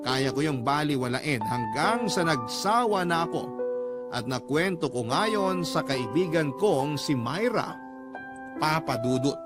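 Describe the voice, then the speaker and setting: High-voiced Filipino man reading confessions. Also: expressive, unhurried. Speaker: radio love-story reader. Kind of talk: dramatic first-person letter reading. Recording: loud music bed under voice.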